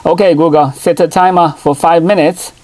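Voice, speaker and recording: A middle-aged man, a native Chinese speaker, giving a hands-on phone tutorial at a desk, talking haltingly with lots of fillers and restarts. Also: a little high, fairly even intonation, a little mellow, no echo. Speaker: tech channel host. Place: desk at home, in front of a computer.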